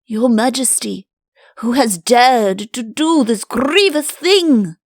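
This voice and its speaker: A woman voicing a nervous, deferential male royal chancellor in a comic fairy-tale audiobook, halting and obsequious. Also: a little high, expressive, no room sound, studio quality, pitched above the performer's own voice, full character voice. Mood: dazed, distressed.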